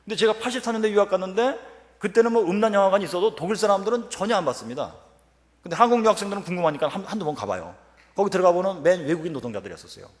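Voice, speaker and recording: A man's voice: high voice, rapid-fire. A man in his fifties giving a humorous revival-meeting sermon and telling stories with acted quotes. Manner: animated storytelling with acted quotes. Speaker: professor speaking at a revival meeting. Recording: reverberant church hall.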